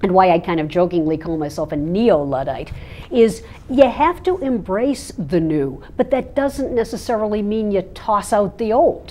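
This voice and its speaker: A woman at medium pitch with very wide pitch swings, at a moderate pace, over noticeable background noise. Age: 60s. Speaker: author and communications lecturer. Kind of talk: interview.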